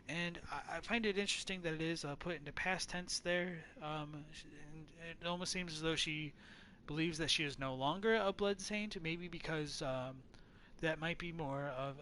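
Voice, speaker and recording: Male let's-play host, lore commentary, somewhat high and bright, halting and reflective. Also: a little hiss or hum. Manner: thoughtful, hesitant, full of restarts.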